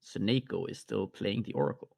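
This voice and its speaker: A man co-casting a live esports match, speaking haltingly with frequent restarts. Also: lowish voice, gravelly, darkish tone, no room sound, clean studio sound. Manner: hesitant, many restarts and fillers. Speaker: esports co-caster. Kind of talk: live game commentary.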